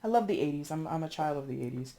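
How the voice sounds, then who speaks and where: A congested, sniffly tarot reader in their thirties talks through a reading in a loose, chatty way. The delivery is blunt, with casual swearing, and key words get repeated for punch. The pitch sits in an unremarkable middle range. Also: animated, quick pace, mellow.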